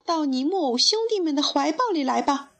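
A woman voicing an excited male clown puppet in a patchwork costume, shouting loudly in amazement. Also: high voice, brisk, highs cut off, soft background music, voice pushed up. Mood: welcoming.

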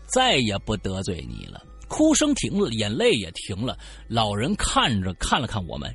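A man from Qinghai telling a ghost story in a chatty, casual way, turning aside to talk to his listeners. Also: medium pitch. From Qinghai, China.

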